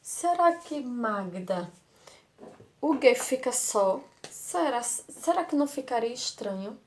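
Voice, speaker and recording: A woman's voice: a little high, animated, slow pace, slight background noise. A Brazilian woman teaching a lesson to young children, affectionate and patient, repeating words and asking rhetorical questions. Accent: Brazilian Portuguese.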